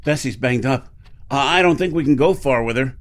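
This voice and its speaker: A man's voice: mid-range voice, a little fast, slight background noise, lightly acted. An actor playing Boz, a plain-spoken, practical man in a retro sci-fi radio drama. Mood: wary. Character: Boz, grown man, practical mechanic type. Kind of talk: golden-age style radio drama acting.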